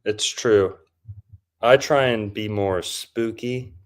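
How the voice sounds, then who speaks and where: Young male host, lowish voice, mocking and jokey while riffing over a movie. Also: slow. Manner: joking, mocking, slips into put-on impressions. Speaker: podcast host. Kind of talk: casual commentary over a film.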